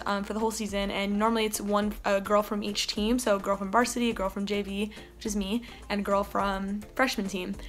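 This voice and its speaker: A teenage girl vlogging casually from her bedroom, her voice a bit raspy and deep, with lots of "um" and "like" fillers. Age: teens. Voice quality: slightly raspy, deep from games. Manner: chatty, many fillers like "um" and "like". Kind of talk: casual vlog chat. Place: bedroom, indoors. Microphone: phone or camera close up, later farther off.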